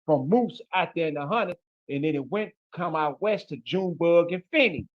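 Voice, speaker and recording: A man's voice: on the high side, expressive, moderate pace, dry recording, dull audio. A man from Chicago with a Chicago accent, a guest in an interview who talks bluntly and emphatically in street slang. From Chicago, USA. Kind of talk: casual interview talk.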